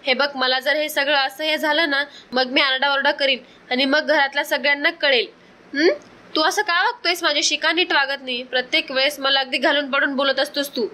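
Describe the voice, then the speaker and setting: A sly young woman pours out melodramatic complaints, pleading and fussing, as a woman narrator puts her on. The voice sits high and sounds bright and sharp. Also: steady tone, fairly quick. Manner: theatrical, pleading. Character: scheming young woman faking distress.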